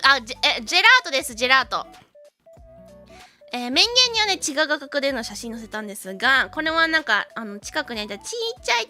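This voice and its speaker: High, lively, bright-voiced woman streamer. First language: English. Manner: animated storytelling, switching between Japanese and English. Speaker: VTuber streamer. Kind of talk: casual livestream chat.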